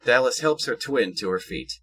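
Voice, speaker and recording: A man with a husky voice reading scripted narration for an audio drama. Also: mid-range voice, lively intonation, normal speed, fairly bright tone.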